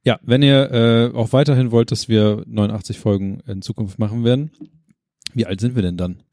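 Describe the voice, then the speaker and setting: A man's voice: mid-range voice, moderate pace, no room sound, studio quality. A man in his thirties co-hosting a casual podcast chat. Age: 30s. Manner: relaxed, asks listeners for support. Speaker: podcast co-host.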